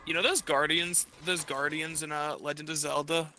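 A man joining a live stream chat, excitable and quick to laugh. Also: a little high. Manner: excitable, giggly. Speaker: stream guest. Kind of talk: casual chat.

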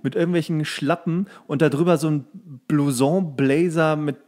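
Casting: man, slightly higher voice, casual and comedic co-host, animated storyteller. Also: normal speed. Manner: animated storytelling, acts out quoted dialogue. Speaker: podcast co-host. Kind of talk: casual comedic chat, retelling scenes.

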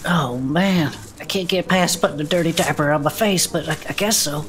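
A woman's voice: deep voice, normal speed. A woman playing a tabletop game with casual in-character banter.

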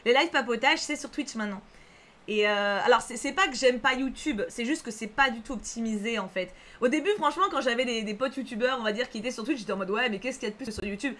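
A woman on a live stream talks fast in a slightly high, a bit bright voice, chatting casually with her viewers. She reads out their messages and reassures them, repeating herself and leaning heavily on fillers.

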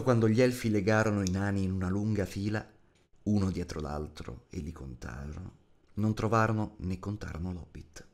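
A man's voice: deep voice, darkish tone. A man narrating a fantasy audiobook in a dramatic, scripted storytelling style.

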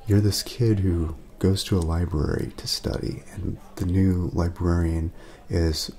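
A man speaking softly in a casual ASMR roleplay, laid-back and friendly, chatting as if to a friend. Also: low voice. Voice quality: soft, breathy at times, creaky.

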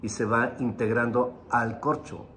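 A man's voice: mid-range voice, fairly even intonation, a little slow, fairly bright tone, faint music behind. A man co-hosting a wine segment, explaining in a teaching way and addressing viewers directly. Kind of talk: explanatory wine tasting talk.

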